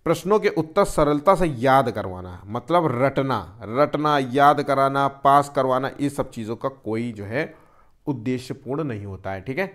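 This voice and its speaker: A man's voice: mid-range voice, expressive, moderate pace, a bit bright. A man teaching an exam-prep lesson, explaining step by step and posing questions he then answers himself.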